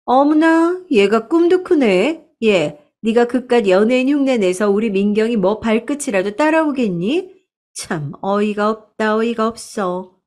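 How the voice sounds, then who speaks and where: A woman's voice: fairly high pitch, animated, darkish tone. A woman doing a sneering snobbish aunt. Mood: scornful. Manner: sneering, quick to scold. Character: snobbish scornful middle-aged aunt, shrill.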